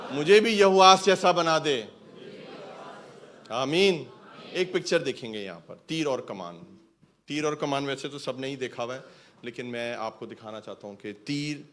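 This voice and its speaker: A male pastor preaching a sermon in a church hall, emphatic, swinging between soft talk and loud calls of hallelujah. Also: medium pitch.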